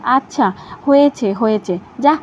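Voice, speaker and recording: A woman voicing a teasing, quick-tongued young wife, in a slightly dull recording with faint hiss. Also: on the high side, close to an everyday voice. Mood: pert. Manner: pert, lively retorts.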